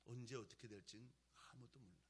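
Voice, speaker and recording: A male pastor preaching a sermon, moving between loud exhortation and quiet, conversational storytelling. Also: medium pitch, a little fast, a little hiss or hum.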